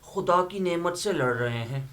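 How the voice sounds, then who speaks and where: A man's voice: on the high side, lively intonation, fairly bright tone. A man giving a theatrical, impassioned and declamatory reading of poetry, repeating phrases with emphasis. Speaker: dramatic poetry reader. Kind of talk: theatrical dramatic recitation of Urdu poetry.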